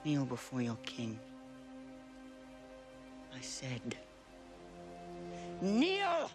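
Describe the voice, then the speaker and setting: A man's voice: mid-range voice, huge pitch swings, extremely slow, heavily acted. An actor playing a spiteful, arrogant young king giving imperious royal orders in a filmed drama. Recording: loud background music, film soundtrack.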